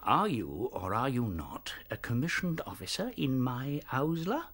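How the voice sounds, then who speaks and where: Doddering, pompous old rabbit chief. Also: male voice, medium pitch, sing-song, measured pace, a bit bright, full character voice. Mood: stern, indignant. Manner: hesitant, blustering, throat-clearing. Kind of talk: radio drama acting.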